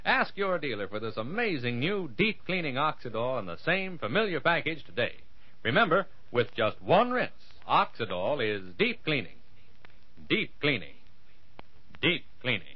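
A man's voice: a little high, big pitch swings, moderate pace, breathy edge. A man with an American accent announcing in the old radio style, reading sponsor copy and serial outros with a polished, emphatic sales delivery. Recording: muffled vintage radio broadcast recording.

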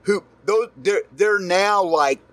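An older man telling stories in a relaxed chat after a show, slow and halting. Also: sits high. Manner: slow, halting, restarts often. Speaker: guest musician. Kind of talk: casual storytelling. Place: noisy room after a show.

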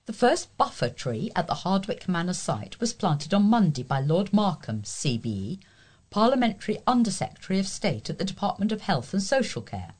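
A woman's voice: lowish voice, big pitch swings, moderate pace, a little mellow, slightly rough. A woman with a British accent reading local news aloud as a volunteer newsreader.

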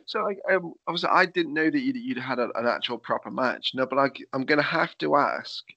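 A podcast host with a slight lisp asks rambling, filler-heavy questions in a casual chat over a remote call. His medium-pitched voice is gravelly and sharp, fairly quick, and the recording is dry, with dull lo-fi call audio.

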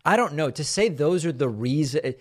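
Measured male call-in host. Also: fairly high pitch, animated. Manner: measured, thinks aloud with restarts. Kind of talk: call-in show hosting.

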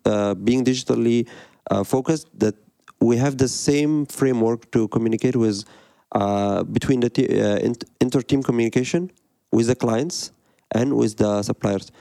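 A man from Egypt in his thirties talks through interview answers with a gravelly, fry-edged voice and a dark, mellow tone. He speaks hesitantly, full of fillers and restarts, and the recording is dry and close. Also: mid-range voice, moderate pace, dry recording. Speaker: guest, design studio director.

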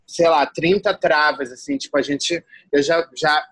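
A young adult woman from Salvador, Bahia, a tired guest artist talking in an animated, slangy way full of restarts. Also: deep voice, a little slow, husky, dry recording. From Salvador, Bahia, Brazil. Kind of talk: casual conversation.

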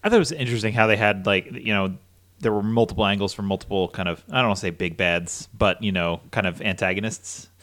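A man's voice: fairly low pitch, fast talker, fairly bright tone. A man joining a casual movie podcast as a guest, hesitant and searching for words.

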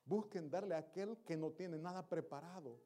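A pastor delivers a Sunday sermon to his congregation, exhorting them and putting questions to them. His voice sits somewhat high for a man. His tone is mellow and relaxed. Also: moderate pace. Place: church service.

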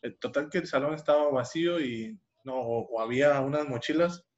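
Here a young podcast co-host, medium-pitched and moderately paced, rambles through a casual personal story full of fillers and restarts. It's recorded with dull, lo-fi sound.

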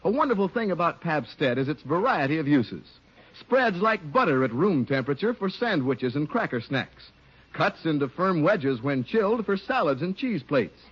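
A man's voice: a little high, breathy edge. A man announcing a scripted radio commercial, cheerful and persuasive. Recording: dull old radio broadcast.

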